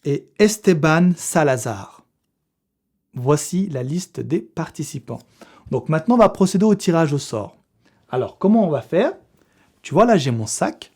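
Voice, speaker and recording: A young man's voice, slightly high, sing-song and darkish, moves a little slowly as he runs a fitness YouTube giveaway. Talking to camera in a casual vlog, he uses slangy, chatty French full of swearing and laughs.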